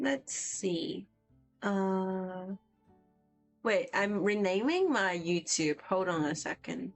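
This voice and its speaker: Young woman, Cantonese speaker, chatty art streamer, mid-pitched voice, faint music behind. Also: expressive, takes it slowly. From Hong Kong. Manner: chatty and rambling, answers viewer chat as she works. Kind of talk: casual livestream chat while drawing. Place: at home on vacation. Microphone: poor-quality mic.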